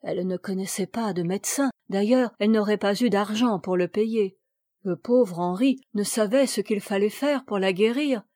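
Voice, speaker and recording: A woman reading a classic children's tale aloud in a measured, expressive storytelling manner. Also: mid-range voice, dry recording, studio quality. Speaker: reader.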